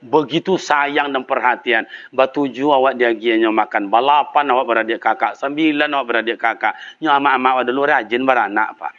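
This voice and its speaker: An older man with a Minangkabau accent giving a sermon in a mosque, telling stories in a lively way with sudden leaps up in pitch and often turning to address his listeners directly. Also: brisk, few pauses, highs cut off. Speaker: preacher.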